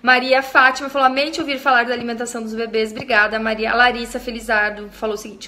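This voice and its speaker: A woman's voice: fairly high pitch, pushed and bright. A Brazilian woman in her thirties, hosting a casual live stream, reading viewer comments aloud and answering them in a chatty way. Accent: Brazilian Portuguese.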